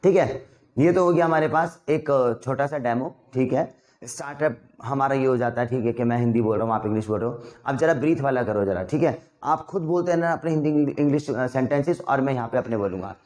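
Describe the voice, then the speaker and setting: A young man teaching spoken English in a classroom, firing off practice sentences at a quick clip for the students to translate. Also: mid-range voice, darkish tone. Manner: brisk, rapid-fire drilling sentences. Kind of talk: classroom drill lesson. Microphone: recorded in a classroom.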